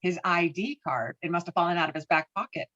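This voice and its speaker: A woman's voice: on the low side, quick pace, a bit bright. A woman narrating the stage directions of a script. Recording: dull lo-fi call audio.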